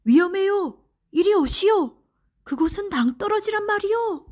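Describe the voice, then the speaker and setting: A woman's voice: extremely high pitch, animated, a little slow, a little mellow, pitched above the performer's own voice. A woman storyteller voicing a wronged, cunning male salt merchant in a folktale audiobook, with archaic theatrical speech. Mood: urgent warning. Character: wronged male salt merchant, vengeful, slyly feigning fright.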